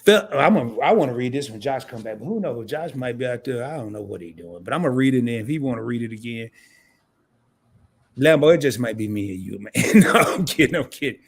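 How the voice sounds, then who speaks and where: A man's voice: medium pitch, lively intonation, a little fast, gravelly. A man co-hosting a casual live stream, joking around, laughing often and reading viewer comments aloud. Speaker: co-host of a credit live stream.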